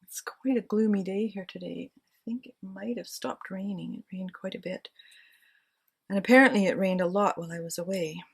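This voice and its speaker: Decorating a handmade journal at home, this crafting vlogger keeps up a casual chat with herself and her viewers. She talks at normal speed in a steady, mid-range voice with vocal fry and a breathy edge.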